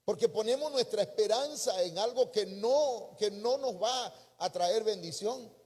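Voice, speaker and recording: A man with a Mexican accent preaching a sermon as a pastor, breaking into sudden loud emphatic rises. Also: high voice, measured pace, breathy edge. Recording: reverberant church hall.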